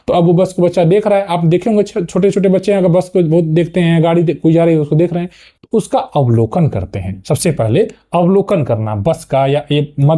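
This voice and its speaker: A young man lecturing to students with a fairly high pitch, while his tone stays very dark and mellow. He explains step by step, often checking in with a quick "okay" and restarting words as he goes. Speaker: teacher.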